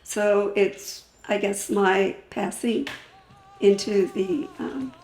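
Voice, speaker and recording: A middle-aged woman, a flamenco teacher, speaking reflectively in an interview with pauses and fillers. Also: medium pitch. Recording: roomy sound, music faintly behind.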